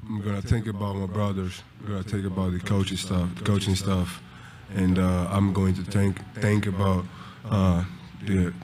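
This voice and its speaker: A man's voice: sits low, flat delivery, moderate pace, hardly any pauses, a little mellow. A young man and college basketball player giving heartfelt postgame answers, searching for words and repeating himself, into a table mic. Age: young adult. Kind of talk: postgame press conference answers. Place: press conference room.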